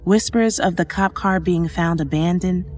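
A woman playing an emergency operator who narrates a first-person horror story in a measured, sombre way. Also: fairly low pitch, a little mellow, close to an everyday voice. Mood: uneasy, sombre. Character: female emergency operator recounting a haunting night. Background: faint music.

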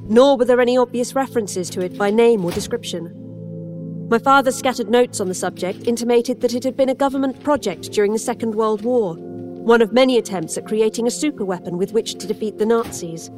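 A woman narrating a horror audio drama in first person, measured and introspective. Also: medium pitch, a little mellow. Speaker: narrator and lead character.

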